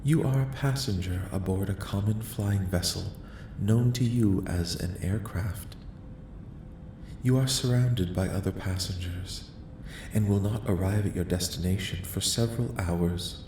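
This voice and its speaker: A man plays an alien researcher in an ASMR roleplay, soft-spoken and on the low side. The questions come formally and politely, with detached, clinical curiosity. The voice echoes over a faint noisy rumble. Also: unhurried, natural voice. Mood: calm, curious. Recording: echoing voice with faint rumbling noise.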